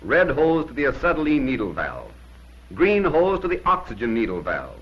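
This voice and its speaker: With wildly swooping pitch and a husky edge, a man narrates at a moderate pace like a 1950s instructional film, his fairly bright voice stressing short, plain instructions firmly. The old film soundtrack carries poor audio.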